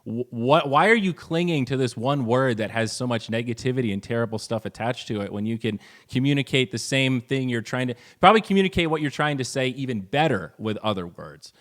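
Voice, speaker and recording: A man speaking as a guest on a podcast, talking casually and animatedly, swearing freely and jumping up in pitch when he stresses a point. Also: animated, a little fast, hardly any pauses. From Finland. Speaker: podcast guest, esports commentator.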